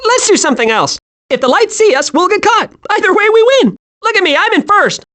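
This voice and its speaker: A man voicing an excitable, scatterbrained, cheerful young male squirrel with a childlike, eager delivery in an animated video game. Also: very high-pitched, a little fast, full character voice. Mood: chirpy, naive, then giddy, excited.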